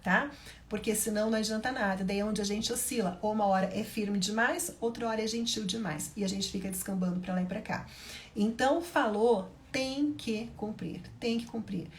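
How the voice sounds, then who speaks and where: A woman's voice: medium pitch, steady tone, fairly quick, slight background noise. A woman with a Brazilian Portuguese accent, a mother giving parenting advice straight to her viewers, emphatic and repeating her key points. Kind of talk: direct-to-camera parenting advice talk.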